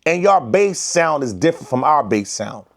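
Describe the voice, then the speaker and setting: A man's voice: on the high side, big pitch swings, moderate pace, creaky, a bit bright. A man from the United States with an African American Vernacular accent, giving emphatic, preachy commentary to the camera with lots of slang. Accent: African American Vernacular English. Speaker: vlogger.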